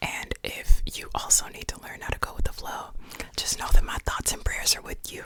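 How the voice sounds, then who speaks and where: A woman is whispering. Noticeable background noise sits behind her. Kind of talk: casual heartfelt talk to camera with life advice. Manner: whispered, soft.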